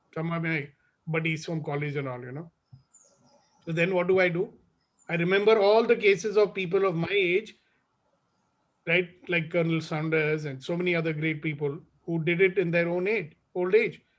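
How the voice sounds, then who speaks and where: A man speaks at a high pitch and a moderate pace. His intonation stays fairly even, broken by long, frequent pauses. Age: 60s. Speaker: motivational speaker. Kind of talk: motivational talk.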